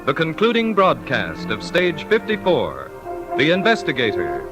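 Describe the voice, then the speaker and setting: A male announcer introducing a radio play in a slow, formal, stately manner. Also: fairly high pitch, wildly swooping pitch, over loud music. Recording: old 1950s radio broadcast.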